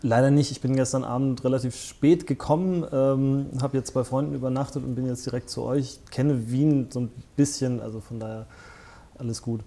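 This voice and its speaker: A man's voice: mid-range voice, steady tone, normal speed, gravelly, dark tone. A man in his forties from northern Germany, a guest speaking in a studio interview, hesitant with many fillers and restarts, on a lapel mic. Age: 40s. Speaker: interview guest, festival founder. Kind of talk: conversational interview. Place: small studio set with armchairs.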